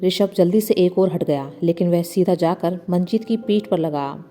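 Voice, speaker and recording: A woman narrates a story in a very dark, mellow voice. She reads the figures' dialogue with only mild shifts in tone. Faint background music plays under her reading. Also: lowish voice, moderate pace. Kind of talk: scripted narration with light character voices. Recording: soft music bed behind the voice.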